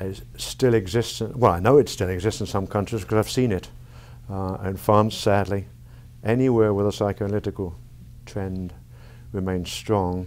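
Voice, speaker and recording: A man with a British accent speaks at a moderate pace in a very deep, low voice with ordinary pitch variation. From United Kingdom. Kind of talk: interview. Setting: at a research conference. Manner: halting, many fillers and restarts.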